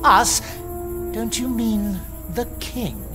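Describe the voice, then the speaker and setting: A shrewd churchman of high rank in a medieval audio drama. His voice is fairly high for a man, formal and pointed, with a wary edge. Faint music sits underneath. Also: very animated, very slow, heavily acted. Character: cautious, shrewd medieval archbishop, prickly churchman.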